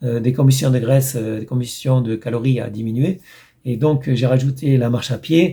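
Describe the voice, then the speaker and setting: A man with a medium pitch and a dark, mellow tone sounds somewhat breathy, keeping his intonation fairly even. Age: 60s. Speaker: video blogger. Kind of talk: casual reaction commentary. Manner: halting, many hesitations.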